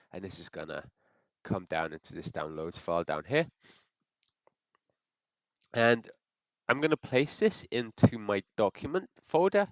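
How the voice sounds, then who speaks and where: Low-voiced guy with a stuffy cold doing a screen tutorial, lots of ups and downs in his voice, stops and restarts, dry close mic. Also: a bit bright, no room sound. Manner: thinks aloud with frequent restarts. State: congested from a cold. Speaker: software tutorial presenter. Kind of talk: screen-recorded how-to walkthrough.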